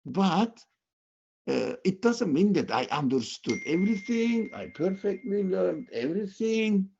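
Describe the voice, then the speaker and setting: A man with a heavy Turkish accent and Turkish as his native language talks informally and haltingly, repeating words, over a video call. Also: high-pitched, very animated, gravelly, darkish tone, slight background noise. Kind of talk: informal sharing in a study group. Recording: dull, muffled online call audio.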